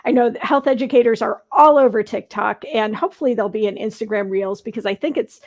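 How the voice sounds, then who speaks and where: A woman's voice: a little high, quick pace, a little mellow. A woman co-hosting a talk show, speaking in a casual panel discussion.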